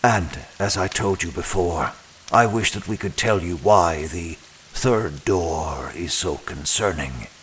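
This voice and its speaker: A deep, slow, guarded manor keeper. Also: male voice, fairly bright tone, slight background noise, poor audio. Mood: diplomatic. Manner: formal, measured, guarded. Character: composed, evasive male host of mysterious prison manor. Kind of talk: audio drama dialogue.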